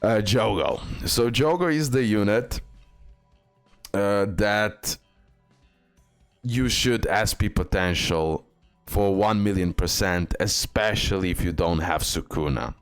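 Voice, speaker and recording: Brief: low-voiced male gaming host, casual reading of game stats with ums. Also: slow, clean tone, soft background music. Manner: reads skill text aloud with fillers and restarts. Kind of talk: game tier list commentary.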